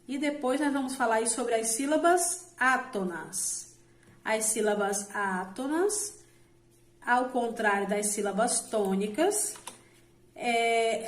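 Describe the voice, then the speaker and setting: A woman's voice: a little high, roomy sound. A woman teaching a recorded grammar lesson to adult learners, explaining patiently and often checking in with "né?". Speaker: Portuguese teacher.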